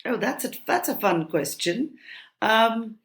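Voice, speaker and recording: A woman's voice: fairly high pitch, lively intonation, slow. A British-raised woman in her sixties, a cookbook author talking from home over a call, hesitant with many ums and restarts. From United Kingdom. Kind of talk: relaxed conversational interview. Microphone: remote call from home.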